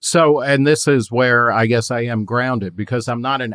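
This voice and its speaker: This man has a plain, everyday voice at a medium pitch with ordinary pitch variation. The recording is very clean, with a silent background and a dry, close sound with no echo. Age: 60s. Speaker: magazine editor and libertarian commentator. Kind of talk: casual interview conversation. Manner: filler-heavy, with frequent um and you know.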